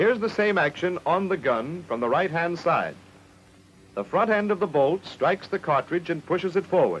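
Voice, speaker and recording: A man with an American accent speaks at a moderate pace. His voice is high-pitched and his intonation lively. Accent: mid-century American. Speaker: film narrator. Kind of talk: vintage military training film narration. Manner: formal, measured, authoritative newsreel-style delivery.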